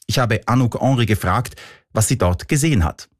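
A man's voice: mid-range voice, animated, fairly quick, no echo, studio quality. A man with a Swiss German accent presenting scripted radio news as the programme's host.

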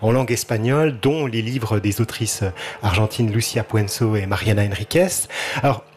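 A man hosts a radio book interview. He reads out carefully built, formal questions at an even, measured pace. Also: lowish voice, slight background noise. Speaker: radio show host.

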